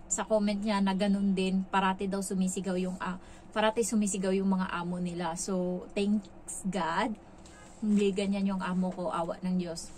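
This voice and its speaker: A woman's voice: medium pitch, flat delivery, darkish tone, slight background noise, low-quality recording. Chatty woman vlogging in a rambling way. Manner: rambling, conversational, many filler pauses. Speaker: domestic helper and vlogger. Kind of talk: casual vlog talk to viewers.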